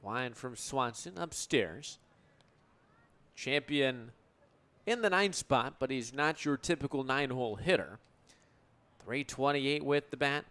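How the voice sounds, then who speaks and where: Unlike a higher voice, this young American broadcaster in his 20s speaks mid-range, a bit bright and clean, unhurried and pausing often. He calls live radio play-by-play at a venue with crowd and gym noise behind.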